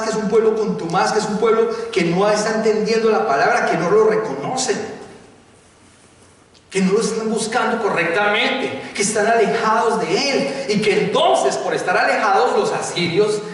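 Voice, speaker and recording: A man's voice: sits high, moderate pace, a bit bright. A middle-aged man preaching a sermon with emphasis, often putting questions to the congregation. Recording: echoey hall, voice from far off.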